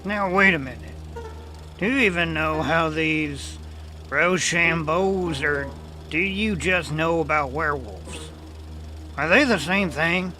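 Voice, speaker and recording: A man's voice: fairly high pitch, slow pace, sharp tone, faint music behind, rough recording. A man playing a folksy, word-muddling country man who is secretly a beast, in an audio drama with a Southern American accent. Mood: puzzled, skeptical. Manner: folksy, drawling, muddles words. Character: folksy rural Louisiana man, secretly a man-eating werewolf.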